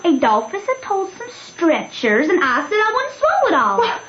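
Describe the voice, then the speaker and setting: A woman's voice: extremely high pitch, huge pitch swings, normal speed, full character voice. An actress playing a trusting, spirited country girl in an old radio drama, insistent and questioning. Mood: curious, insistent. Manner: bright-eyed, insistent, questioning. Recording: muffled, echoey, hissy old radio recording.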